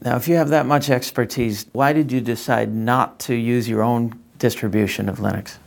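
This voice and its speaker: A man's voice: medium pitch, fairly even intonation, moderate pace, gravelly. A man acting as interviewer, putting questions and comments to guests in a conversational style.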